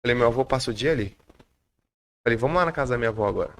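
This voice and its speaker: Podcast guest, Brazilian man, mid-range gravelly voice, animated storyteller who acts out dialogue. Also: mid-range voice, very fast. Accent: Brazilian Portuguese.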